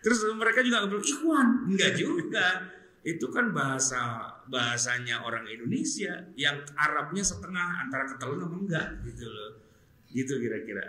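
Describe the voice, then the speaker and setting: A man giving a casual, joking religious study talk and explaining things in an animated way. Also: on the high side, brisk. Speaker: Islamic teacher. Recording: roomy echo.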